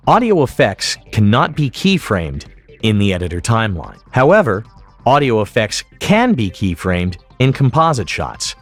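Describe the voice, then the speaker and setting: Lively-pitched low male tutorial narrator. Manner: methodical, explanatory. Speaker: software tutorial instructor. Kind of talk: instructional screen-recording narration.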